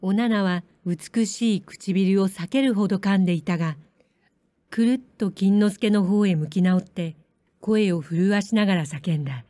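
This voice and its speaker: Woman audiobook reader, calm measured narration, mellow dry voice. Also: mid-range voice, dry recording. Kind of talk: scripted narration of a period story.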